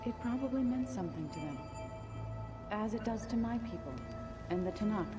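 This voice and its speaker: A woman playing a calm, loyal tribal companion in a video game, measured and gently amused. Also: fairly high pitch, lightly acted. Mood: reflective. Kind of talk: video game cutscene acting. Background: faint music.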